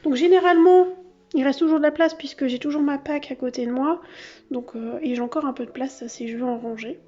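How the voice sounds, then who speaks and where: High-voiced chatty woman vlogging. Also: brisk, mellow, highs cut off. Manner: chatty, with many fillers and self-corrections. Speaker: craft vlogger. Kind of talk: casual show-and-tell vlog. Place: home office under yellow artificial light.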